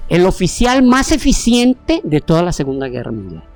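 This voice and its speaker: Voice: mid-range voice, moderate pace, faint music behind. A podcast co-host with a Mexican Spanish accent who tells history casually, with lots of slang, restarts and fillers. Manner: animated, rambling, slangy with many restarts and fillers.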